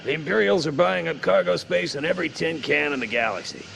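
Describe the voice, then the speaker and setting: An actor playing a roguish, swaggering old space pirate with a gravelly voice in an audio drama. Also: male voice, a little high, quick pace, a bit bright. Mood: gruff, hearty. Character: wild old male space pirate with golden heart. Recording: faint background noise.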